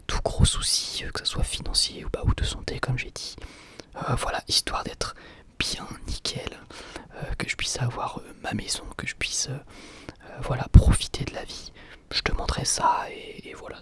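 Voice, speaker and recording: A man whispering softly in an ASMR question-and-answer video, pausing often on hesitant fillers. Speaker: ASMR channel host.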